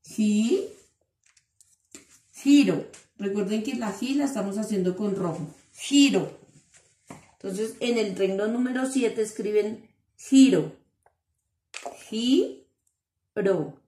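A woman teacher, dictating words slowly and syllable by syllable to young children in an online class. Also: medium pitch, mellow. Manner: slow, syllable-by-syllable dictation with endearments. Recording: echoey room.

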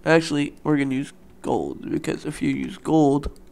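A man's voice: on the high side, moderate pace, gravelly, a little mellow. Young man rambling over gameplay. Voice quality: loose, rambling, filler-heavy. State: slightly raspy morning voice. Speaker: let's play host. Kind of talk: casual gameplay commentary.

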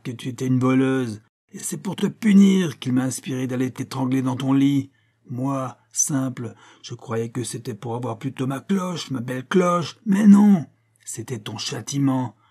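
A man voicing an unhinged old male hermit with a raspy, stammering voice, shrieking and ranting in an audiobook. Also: medium pitch, a little mellow, voice pushed up. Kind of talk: audiobook character voice.

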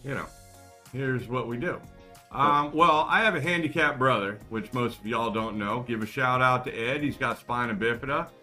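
An older man chatting on a podcast, a long-winded and animated storyteller who breaks into loud outbursts. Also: medium pitch, moderate pace, faint music behind. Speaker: podcast guest. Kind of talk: casual podcast chat.

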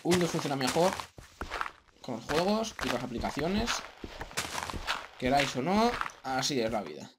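Hoarse young Spanish man, noisy recording. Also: medium pitch, big pitch swings, normal speed, long pauses. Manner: rambling, chatty, frequent throat clearing. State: slightly hoarse throat. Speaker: gaming YouTuber. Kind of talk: casual gameplay commentary.

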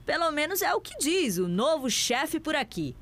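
A woman sports reporter narrating a TV news story at a brisk cadence. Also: high voice, very animated, fairly bright tone.

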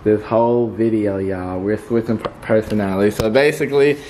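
A man's voice: fairly low pitch, fairly quick, a little mellow, a little hiss or hum. A young man hosting his vlog in casual, slangy chat, talking straight to his viewers. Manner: laid-back slangy chatter, calls viewers "y'all". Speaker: YouTuber host.

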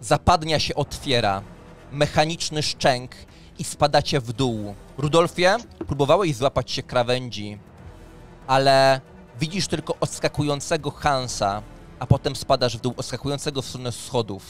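Guy running a tabletop rpg session, mid-pitched voice, close mic, soft music behind. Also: normal speed. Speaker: game master and host. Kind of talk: narrating a tabletop role-playing session. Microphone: close studio microphone on a boom arm, headphones. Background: faint background music.

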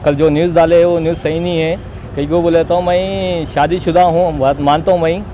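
Here a young Hyderabadi man talks to local news as an interviewee, his high voice warm and steady at a moderate pace. He repeats himself insistently and justifies his actions in this spoken testimony, recorded outdoors beside a street wall with faint street noise behind.

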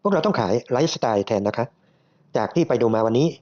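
A man voicing a bright young woman assistant from the north, soft and gentle, explaining her ideas politely. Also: mid-range voice, very animated, fast talker, lo-fi sound, lightly acted. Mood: gently explaining.

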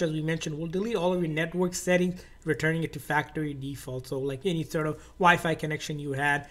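A man with a slightly higher-than-average voice hosts a how-to tutorial. He explains things step by step in an informal, instructional manner. He tends to circle back and repeat his phrasing as he goes. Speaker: tech tutorial host.

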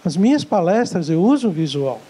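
A man with a Brazilian Portuguese accent coaches an audience in a live lecture. His voice sits high and mellow. He hammers points home by repeating words and acting out little exchanges. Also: sing-song, brisk, slightly rough, low-quality recording. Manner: emphatic, repeats key words, acts out dialogues. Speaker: sales coach giving a lecture.

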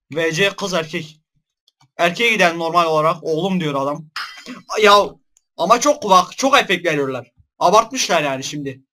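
Young male gamer, high bright voice, scared yelps between jokes, horror let's play. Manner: jumpy, shouts in fright then jokes. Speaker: gaming YouTuber.

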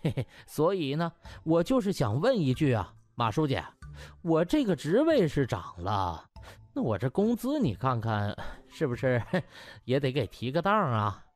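A man's voice: mid-range voice, sing-song, unhurried, faint music behind. A man voicing a cheeky young male doctor in an audiobook, smug, mock-polite and wheedling. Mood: mock-humble. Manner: mock-polite, wheedling, chuckling colloquial talk.

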